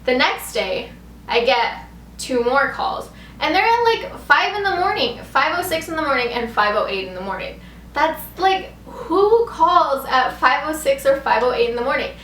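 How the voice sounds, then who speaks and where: A woman's voice: high-pitched, big pitch swings, normal speed, a bit bright. A young woman vlogger telling a story in a casual, chatty, rambling way, saying "like" a lot. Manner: rambling, heavy use of "like". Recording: echoey room with background noise.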